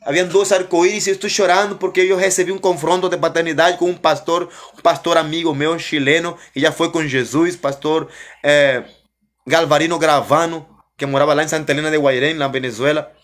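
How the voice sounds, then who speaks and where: A man giving an emotional religious testimony as a preacher, fervent and repetitive, often rising and then falling soft. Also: fairly high pitch, steady tone, brisk.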